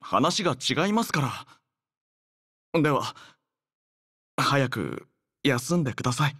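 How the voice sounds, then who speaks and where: A young male android squad leader from an anime game, devoted and dutiful. His mid-pitched voice is measured, formal and softly caring. The recording is dry and close, with no room sound. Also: sing-song, no echo, full character voice. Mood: gently concerned. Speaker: voice actor in a mobile game. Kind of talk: anime game character voice lines.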